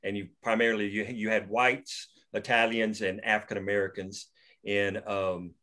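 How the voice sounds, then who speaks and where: A man's voice: lowish voice, flat delivery, normal speed, pushed and bright. A man hosting a table read, talking casually about the script with many restarts, over a video call. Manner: rambling, with many restarts and fillers.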